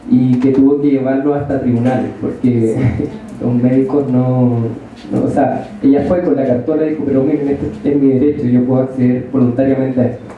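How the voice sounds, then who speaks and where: A man's voice: mid-range voice, level tone, a little fast, few pauses, slight background noise. A man from northern Chile with a Chilean accent, commenting hesitantly from the audience at a panel, with many fillers and restarts. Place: large lecture hall. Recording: distant, echoey hall, thin phone-like sound.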